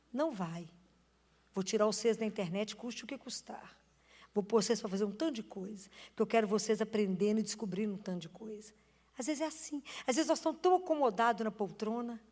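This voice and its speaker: A woman giving an emotive sermon, swinging her voice up and down and acting out quoted conversations. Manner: emotive, varies pitch and loudness widely, acts out quoted dialogue. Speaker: Christian preacher. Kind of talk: spoken sermon. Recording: long hall reverb.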